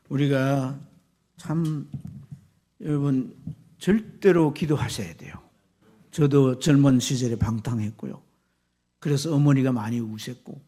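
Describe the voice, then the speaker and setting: A man, a pastor, preaching a sermon with fervor, swinging from loud exclamations to hushed whispers. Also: mid-range voice.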